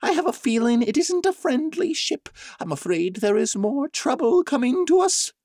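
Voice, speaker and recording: A man's voice: very high-pitched, big pitch swings, moderate pace, a little mellow, no echo, pitched above the performer's own voice, full character voice. A man voicing an anxious, fussy duck character in a storybook reading. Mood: wary.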